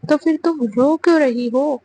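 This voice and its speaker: Woman reading as a hot-headed young man, gruff, exasperated, audio story, higher voice. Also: warm tone, a little hiss or hum, rough recording. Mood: angry. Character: brash short-tempered young man, the hero.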